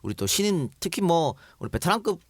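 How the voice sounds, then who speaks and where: A man's voice: on the high side, big pitch swings, quick pace, dry recording. A man hosting a podcast interview, asking guests questions and chatting along. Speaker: podcast host.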